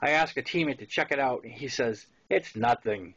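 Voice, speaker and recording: Male narrator, 60s, Boston accent, conversational memoir read, average pitch, muffled lo-fi recording. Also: moderate pace, a bit bright, breathy edge. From Massachusetts, US. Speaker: author reading his own novel. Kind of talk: narrated memoir reading with casual asides.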